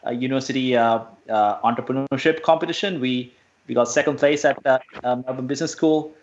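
A man's voice: medium pitch, brisk, lo-fi sound. Hesitant man from Sri Lanka. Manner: hesitant, many fillers and restarts. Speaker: guest. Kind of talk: radio interview.

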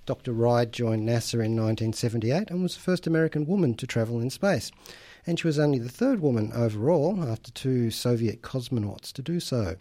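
A man's voice: mid-range voice, lively intonation, brisk, dark tone. A man with an Australian accent hosting a casual radio show from a studio, jokey and enthusiastic, laughing often. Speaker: radio host.

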